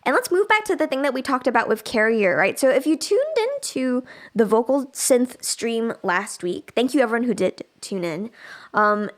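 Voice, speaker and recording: Speaking at a normal speed, this slightly high-voiced woman uses lively intonation. She runs a chatty, casual livestream tutorial on music production software, narrating her thoughts as she demonstrates.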